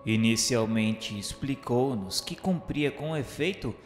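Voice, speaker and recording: Male Brazilian narrator for a solemn radio novela: slow, formal delivery, long hall reverb. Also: medium pitch, animated. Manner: formal, declamatory, measured. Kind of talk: solemn, literary scripted narration. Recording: echoey hall-like reverb under music. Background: music.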